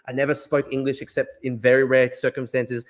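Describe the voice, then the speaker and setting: A man's voice: medium pitch, little pitch movement, a little fast. A man hosting a political podcast, making his points emphatically and repeating himself, often asking "right?" and dropping in "like". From Australia. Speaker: podcast host. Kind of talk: opinionated political podcast talk.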